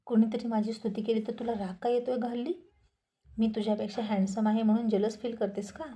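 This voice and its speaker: A woman's voice: on the high side, level tone, fairly quick, mellow, lightly acted. A woman voicing a handsome, gym-going young man who teases and lectures his wife in a story reading.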